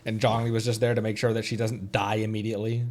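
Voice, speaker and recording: A man streaming a game with casual commentary, playful and excitable in the way he talks. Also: fairly low pitch, quick pace, faint music behind.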